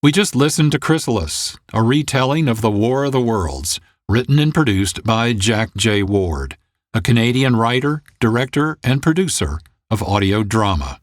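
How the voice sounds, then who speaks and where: A man, producer and host, reading scripted credits in a measured, formal way. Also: mid-range voice, lively intonation. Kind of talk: scripted outro announcement.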